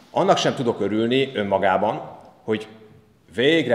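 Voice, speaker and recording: A man with ordinary pitch variation amid audible room echo. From Hungary. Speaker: member of parliament. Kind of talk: parliamentary committee speech. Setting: parliamentary committee meeting. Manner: formal. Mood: critical, argumentative. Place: meeting room. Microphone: podium.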